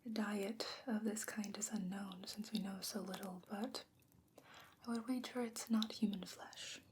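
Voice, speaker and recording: A woman playing a patient, bookish sorceress in a fantasy ASMR roleplay, whispering breathily and explaining in a measured, gently skeptical way. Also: medium pitch, steady tone, slight background noise, close to an everyday voice. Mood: studious.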